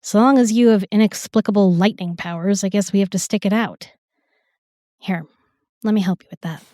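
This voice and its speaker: A woman's voice: medium pitch, moderate pace, warm tone, no room sound, natural voice. A woman playing a sassy, irreverent young modern woman in a fantasy audio drama, wry and chatty. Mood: warm, resigned.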